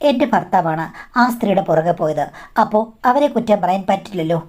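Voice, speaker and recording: A woman's voice: lowish voice, lively intonation, brisk, a little mellow. A woman voicing an earnest young man who pleads insistently for his sister, in a spoken story.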